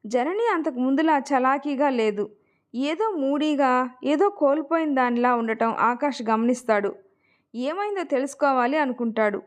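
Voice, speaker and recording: A woman narrating a family love story in a steady, expressive storytelling manner. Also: high voice, normal speed.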